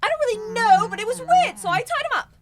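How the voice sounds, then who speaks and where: A woman's voice: extremely high pitch, animated, fast talker, a crowd in the background. A woman playing a comically evil, child-eating witch in a radio play, theatrical and easily flustered. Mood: indignant. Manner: theatrical cackling, flustered asides. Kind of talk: comedic audio drama acting.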